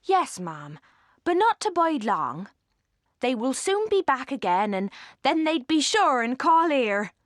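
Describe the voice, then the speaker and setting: A man's voice: very high-pitched, big pitch swings, takes it slowly, dry recording, studio quality, voice pushed up, full character voice. A woman voicing a deferential, plain-spoken manservant, chatty with his news, in an audiobook. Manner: deferential, dialect turns of phrase.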